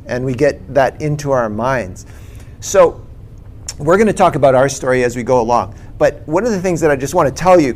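A man's voice: mid-range voice, slight background noise. A middle-aged man co-presenting a Christian talk, sharing his personal story in a conversational way and often checking in with "right?" and "okay?".

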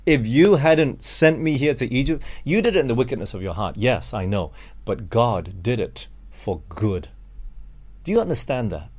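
A man's voice: medium pitch, lively intonation, normal speed, slightly rough. A Malaysian man preaching a sermon, earnest and direct, calling his listeners friends and asking them rhetorical questions.

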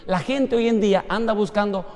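High-voiced pastor preaching. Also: male voice, a little fast, in a large hall. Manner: animated, humorous storytelling. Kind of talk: lively preached sermon.

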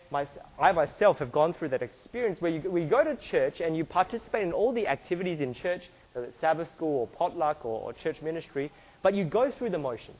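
A man from Singapore giving an earnest church talk about slides, restarting often and filling pauses with "uh". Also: fairly high pitch, muffled recording. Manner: earnest, many restarts and fillers. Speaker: church speaker.

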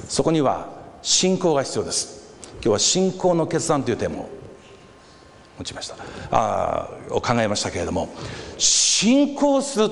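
A man preaching a sermon, telling a story and acting out the voices of a crowd with lively animation. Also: medium pitch, creaky. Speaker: pastor. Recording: reverberant hall with faint background noise.

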